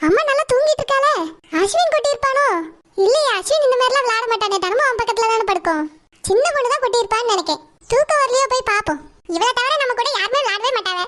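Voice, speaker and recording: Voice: very high voice, lively intonation, quick pace, pushed and bright, full character voice. An actor voicing an inquisitive, caring little cartoon child. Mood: puzzled, sneaky. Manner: childlike, questioning. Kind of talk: cartoon dub dialogue.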